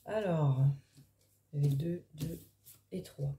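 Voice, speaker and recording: Woman, mellow dark tone, morning voice, halting casual card-reading commentary, echoey room. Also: deep voice, slight background noise. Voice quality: early-morning voice, which the speaker calls gruff. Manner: halting, thinking aloud with many trailing pauses. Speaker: tarot card reader and spiritual coach.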